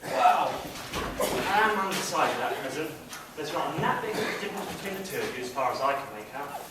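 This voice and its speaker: A man's voice: a little high, sing-song, moderate pace. A man playing a tart, bossy middle-aged mother in a stage pantomime, handing out haughty, dry put-downs. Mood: haughty, bargaining. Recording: very noisy echoing hall, distant mic.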